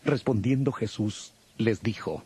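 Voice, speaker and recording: Male scripture narrator, low and very husky, solemn storytelling delivery. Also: unhurried, a little mellow, no echo. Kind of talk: scripted narration of a dramatized audio Bible.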